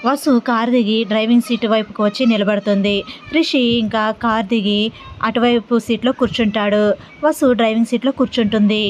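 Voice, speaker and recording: A woman's voice: fairly high pitch, fairly even intonation, a little fast, slight background noise. A woman steadily narrating a fan story she wrote herself. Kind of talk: reading a self-written fan story.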